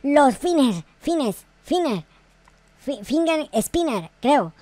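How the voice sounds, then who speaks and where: High-pitched excitable little noob boy. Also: extremely slow, no echo, heavily acted. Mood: eager, naive. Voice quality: high, childlike put-on voice. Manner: stammering, repeating words, exclaiming. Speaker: gaming YouTuber. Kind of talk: improvised Minecraft roleplay commentary.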